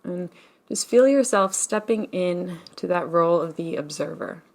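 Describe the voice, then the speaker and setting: Gentle woman guiding a slow meditation. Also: fairly low pitch, lively intonation. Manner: gentle, unhurried, soothing, with long pauses. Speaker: meditation teacher. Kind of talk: guided meditation.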